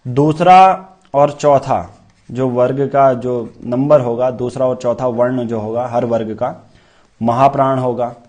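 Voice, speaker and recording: A man's voice: medium pitch, fairly even intonation, takes it slowly, darkish tone. A man teaching a grammar lesson for exam preparation, demonstrating sounds aloud and quizzing students with questions he answers himself. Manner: repeats key terms as questions and answers them.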